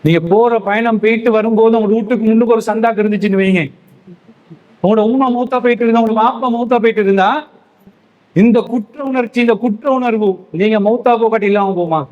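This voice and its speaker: A male preacher gives a sermon, telling a story step by step and posing questions he then answers himself. His voice sits high for a man. The recording sounds dull and lo-fi. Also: steady tone, fast, darkish tone. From Sri Lanka. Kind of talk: Islamic sermon to young men.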